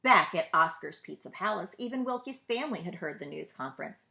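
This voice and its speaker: A woman reading a storybook aloud to children as a librarian, with expressive narration. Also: lowish voice, brisk, vocal fry.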